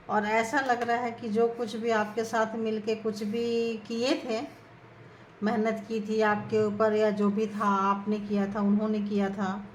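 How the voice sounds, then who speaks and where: A woman's voice: fairly high pitch, reverberant, a little hiss or hum, rough recording. A woman hosting a casual tarot reading for her viewers, talking in a chatty, coaxing way and checking in with them often. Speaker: tarot reader, channel host.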